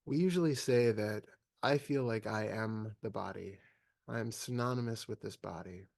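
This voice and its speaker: A man leading a guided meditation as a teacher, speaking calmly and in measured phrases with long pauses. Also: on the low side, creaky, dry recording, studio quality.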